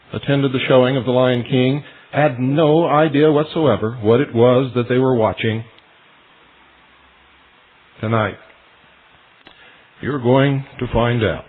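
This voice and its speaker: A male radio host delivering a solemn, deliberate monologue, speaking straight to his listeners as ladies and gentlemen. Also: medium pitch, breathy edge. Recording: tinny shortwave radio broadcast.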